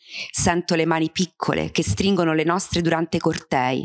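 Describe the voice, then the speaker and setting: Against a quiet background, a woman with a fairly low pitch speaks at a moderate pace with ordinary pitch variation. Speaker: festival organizer reading aloud. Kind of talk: reading aloud at a panel event. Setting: stage with audience. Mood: tender, solemn. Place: hall.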